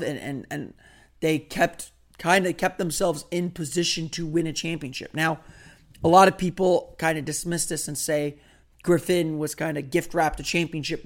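Hoarse, gravelly man hosting a podcast. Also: fairly high pitch. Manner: rambling and conversational, many fillers and restarts. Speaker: sports podcast host. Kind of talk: casual sports podcast talk.

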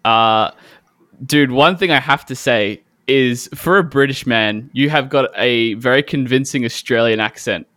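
A male podcast host in relaxed interview chat, with a mid-range voice. The recording is dry, with hardly any room sound, and he speaks conversationally to a guest. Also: mid-range voice, measured pace, dry recording.

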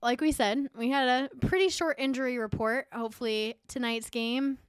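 A woman's voice: fairly high pitch, moderate pace, clear, resonant tone, no room sound. A woman co-hosting a sports podcast in a casual, conversational style. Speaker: podcast co-host. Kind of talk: casual fantasy football podcast chat.

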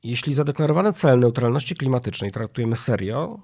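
Male podcast host, medium pitch. Nasal, congested, hoarse delivery with noticeable vocal fry. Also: animated, fast talker, a little mellow. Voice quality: nasal, stuffed-nose voice. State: hoarse from a viral illness. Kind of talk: podcast monologue, partly scripted.

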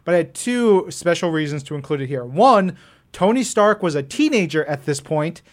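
A man with a fairly high voice hosts a chatty podcast. He speaks effusively, leaning hard on emphatic words and tossing in casual slang as he goes. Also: big pitch swings, moderate pace. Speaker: podcast co-host. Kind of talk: enthusiastic comics chat podcast.

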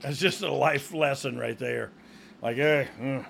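A man's voice: medium pitch, measured pace, vocal fry, fairly bright tone. A man co-hosting casual comedic banter in a jokey, self-deprecating way, with some background noise. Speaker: co-host.

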